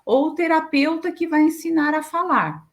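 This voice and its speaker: A woman's voice: high-pitched, moderate pace. A middle-aged Brazilian woman, a speech therapist, explaining patiently in an interview and giving examples.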